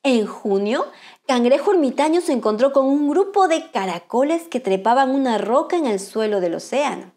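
A woman reading a picture book aloud to children in a bright, sing-song, expressive manner. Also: sits high, normal speed. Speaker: children's storyteller, channel host.

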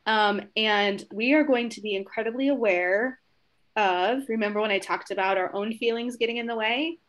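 A woman giving a conversational training webinar to educators, encouraging and warm, often checking in with "right?" and acting out short exchanges with children. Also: mid-range voice, moderate pace.

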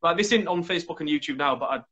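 Man in his thirties, host, fast-talking, slightly high voice, chatty, video call. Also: sharp tone, breathy edge. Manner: quick, enthusiastic and chatty. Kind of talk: casual chat.

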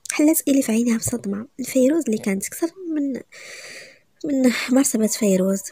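A woman with a Moroccan Arabic accent narrating a dramatic story softly, often half-whispered. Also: fairly high pitch, quick pace, husky, dry recording.

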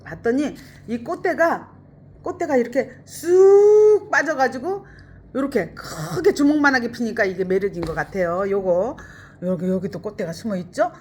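A woman's voice: on the low side, slight background noise. A middle-aged woman selling potted plants in a casual chat, repeating her words and addressing her viewers fondly. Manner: chatty, repeats words, talks to viewers as "flower friends". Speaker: plant seller hosting a sales stream.

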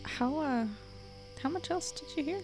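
A woman's voice: high voice, moderate pace, darkish tone, faint music behind, close to an everyday voice. A woman playing a wary, frank investigator, narrating and talking in an audio drama. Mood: guarded.

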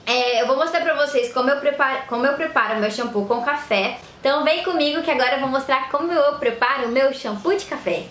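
Young woman vlogging hair tips, slightly high voice, talks right to viewers, bit of room echo. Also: quick pace, few pauses, fairly bright tone, a little hiss or hum. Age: young adult. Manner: chatty, addresses viewers directly. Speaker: beauty vlogger. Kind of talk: casual tutorial vlog. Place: room indoors, later a tiled kitchen.

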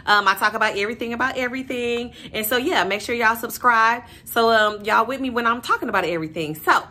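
A young woman vlogging casually to camera, slangy and animated, calling her viewers y'all and sis. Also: on the high side, fast talker. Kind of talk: casual vlog chat to camera.

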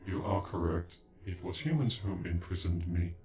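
An ancient alien android with a deep voice over soft music. He is cold and sassy in a sci-fi audio roleplay. His phrasing is stiff and formal, broken by robotic glitch stutters. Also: animated, normal speed. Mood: grave, explanatory. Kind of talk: scripted ASMR sci-fi roleplay. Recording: echoing, with music behind.

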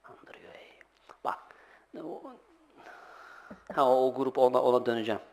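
This middle-aged man, a religious teacher, delivers an informal sermon at a moderate pace with a medium-pitched voice. He tells animated stories, imitates voices, and laughs frequently.

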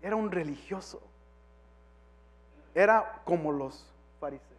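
A male pastor preaching a sermon, moving from quiet talk to shouts and dropping English phrases into his Spanish. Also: a little high, a little slow, in a large hall.

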